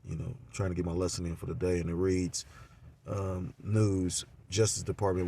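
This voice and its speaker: A man giving an informal religious lesson on a phone, talking loosely with many fillers and getting louder and more animated as he goes. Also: sits low, creaky, a little hiss or hum. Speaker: religious teacher.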